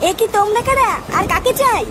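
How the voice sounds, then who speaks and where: A woman's voice: very high-pitched, fairly quick, very noisy. A woman voicing a wary, indignant housewife who protests firmly in a comedy cartoon. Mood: wary refusing.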